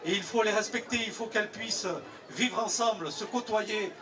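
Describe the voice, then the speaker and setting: A man giving a formal public speech as a local official, measured and pausing between short phrases. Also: high voice. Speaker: local authority president, official speaker. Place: public event with crowd. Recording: distant PA microphone, noisy crowd.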